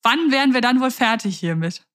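A woman co-hosting a podcast in casual chat, talking in a lively, chatty way with quick laughs. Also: fairly high pitch. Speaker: podcast co-host. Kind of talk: casual chat about radio plays.

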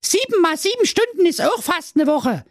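A man doing a bossy young Snow White, pitched far above his own voice and talking in a broad Saxon accent. She snaps off sharp, dismissive retorts in a comedic storybook style. The recording is dry and close. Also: big pitch swings, normal speed, no echo. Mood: snippy.

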